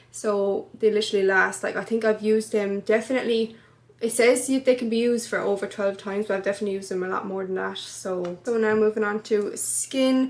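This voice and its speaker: Over noticeable background noise, a woman speaks at a fairly quick pace in a fairly high pitch with fairly even intonation. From Ireland, Limerick. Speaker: beauty vlogger. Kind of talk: casual chat while doing makeup.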